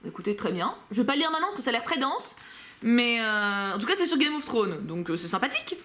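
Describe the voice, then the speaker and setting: A woman chatting casually as she unboxes a book subscription box, animated and prone to excited outbursts. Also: fairly high pitch, quick pace.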